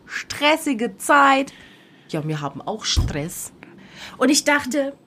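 A woman's voice: high voice, takes it slowly. A woman in her thirties, co-hosting a podcast and telling an anecdote in a casual chat, acting out the dialogue. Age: 30s. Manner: animated storytelling, acting out quoted dialogue. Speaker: podcast co-host.

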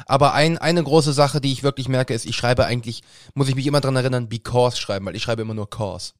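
A man's voice: mid-range voice, fast talker, dry recording, clean studio sound. A young man, a student facing exams, co-hosting a casual podcast and often laughing through his words. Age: young adult. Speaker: podcast co-host. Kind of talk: casual chat.

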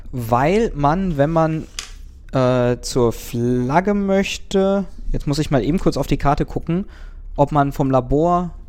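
A man's voice: medium pitch, a little mellow. A man playing a mystery game, casually thinking aloud and joking. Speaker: player. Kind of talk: casual podcast chat.

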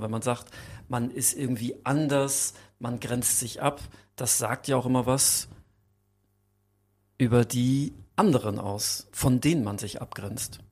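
A man's voice: medium pitch, darkish tone, breathy edge. A man interviewing someone in a conversational style, putting questions and reflections to his guest.

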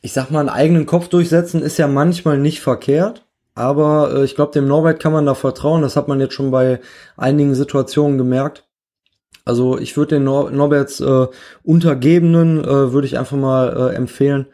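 A man's voice: mid-range voice, steady tone, normal speed, warm tone. A man co-hosting a casual podcast, talking in a rambling, hesitant way with many tag questions. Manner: rambling, hesitant, full of "ne?" and "sag ich mal". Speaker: podcast co-host.

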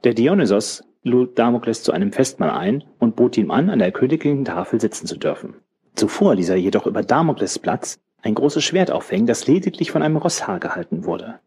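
A man voicing a learned old man who explains a legend in a measured, lecturing way. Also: medium pitch, expressive, a little mellow, breathy edge. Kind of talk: audiobook character voice.

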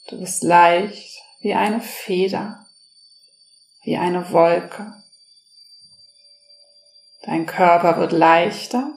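A woman speaking slowly and softly, leading a guided relaxation meditation. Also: fairly low pitch, gravelly. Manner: slow, soft-spoken, soothing. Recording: roomy echo.

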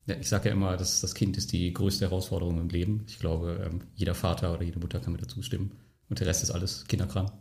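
Deep-voiced man hosting a podcast. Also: flat delivery, fast, creaky, a little mellow. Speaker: podcast host. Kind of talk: casual conversation.

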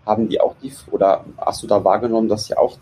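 A man's voice: lowish voice, flat delivery, quick pace, dark tone, slight background noise. A man hosting an interview who asks his guest follow-up questions. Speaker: interview host. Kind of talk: conversational interview.

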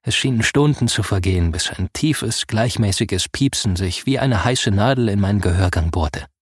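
A man narrating a first-person audiobook in a soft, grave storytelling manner. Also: lowish voice, animated, normal speed, slightly rough, dry recording, clean studio sound.

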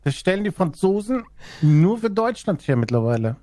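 A man's voice: high-pitched, big pitch swings, moderate pace, warm tone, no echo. A man chatting casually in a jokey, playful way. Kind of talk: casual banter.

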